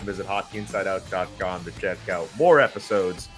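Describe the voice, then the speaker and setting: A man's voice: deep voice, brisk, over music. A man hosting a sports podcast panel in a casual, conversational style. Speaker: podcast host.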